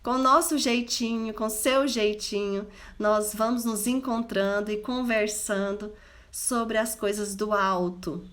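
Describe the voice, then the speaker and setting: A woman's voice: mid-range voice, takes it slowly. A woman with a Goiás Brazilian accent, giving a live devotional talk and speaking straight to her listeners. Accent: Goiás Brazilian Portuguese. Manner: addresses listeners directly, animated. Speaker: Christian women's mentor.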